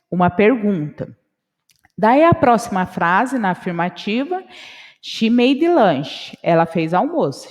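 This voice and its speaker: A woman with a Brazilian accent teaching an English lesson, slowly repeating phrases and translating them. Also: a little high, a little mellow, big-room sound. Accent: Brazilian Portuguese.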